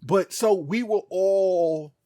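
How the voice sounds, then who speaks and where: Male podcast co-host, fairly high-pitched, telling stories casually, circling back and searching for words. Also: takes it slowly, dark tone. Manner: hesitant, searching, repeats phrases. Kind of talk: casual chat, reminiscing.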